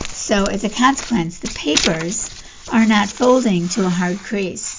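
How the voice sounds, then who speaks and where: Noticeable noise fills the background. Over it, a woman talks at a fairly slow pace. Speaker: crafting video creator. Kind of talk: craft tutorial.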